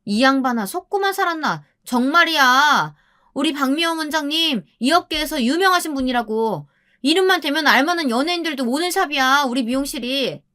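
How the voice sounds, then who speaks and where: A woman's voice: high-pitched, lively intonation, fairly quick, bright, forceful tone, no echo, studio quality, pitched above the performer's own voice. A woman voicing a young female salon employee who mocks a rude customer scornfully. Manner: taunting, scornful.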